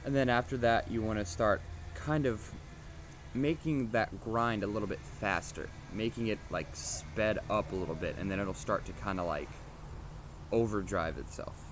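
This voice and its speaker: A man's voice: lowish voice, normal speed. A man giving a casual, loosely explained how-to lesson as a vocal instructor, in an informal, repetitive way. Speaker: vocal screaming tutorial instructor. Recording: noisy homemade recording, steady background noise.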